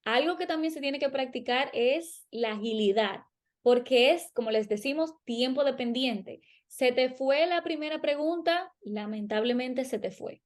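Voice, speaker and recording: A woman's voice: high-pitched, a little slow. A woman co-hosting a podcast, explaining exam strategy and speaking directly to listeners with worked examples. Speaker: podcast co-host.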